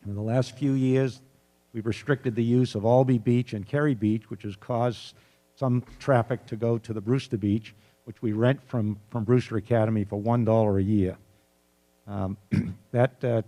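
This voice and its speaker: Mellow man moderating a public forum. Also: medium pitch. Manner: measured, neutral, explanatory. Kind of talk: moderating, reading out submitted questions. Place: arts center candidate forum.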